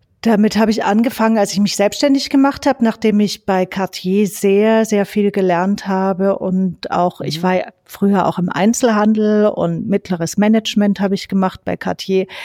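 This woman's voice sits at a medium pitch, with a dark, mellow tone. The sound is dry and close, with no echo. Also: fairly even intonation, moderate pace. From Bavaria, near Munich. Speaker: coach and podcast co-host. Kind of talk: casual chat.

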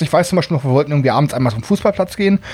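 A man's voice swings very widely in pitch. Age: 30s. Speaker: board game podcast co-host. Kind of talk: casual chat.

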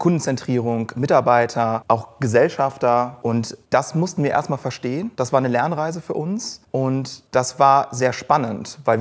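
This man has a plain, everyday voice at a medium pitch, speaking at a moderate pace with ordinary pitch variation. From Cologne, Germany. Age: 30s. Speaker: head of a company innovation lab. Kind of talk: business interview.

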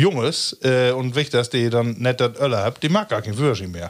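A man talks at a moderate pace and a medium pitch, with lively intonation. He has a plain, everyday voice. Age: 30s. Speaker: podcast co-host. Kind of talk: casual chat.

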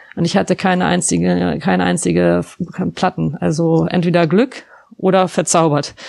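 Very clean recording with a silent background features a woman speaking. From Germany. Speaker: ultracycling racer. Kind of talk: interview.

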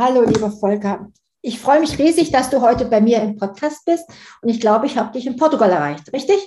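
An ordinary speaking voice from a woman at a fairly quick pace. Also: fairly high pitch for a woman. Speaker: podcast host. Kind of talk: interview. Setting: video call from a near-empty flat. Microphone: laptop mic, voice sounds hollow.

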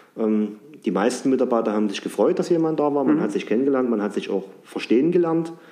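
Very fast speech in a dark, mellow tone. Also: man, medium pitch for a man, lively intonation. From Saxony, Meißen. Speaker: IT company executive. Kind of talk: interview.

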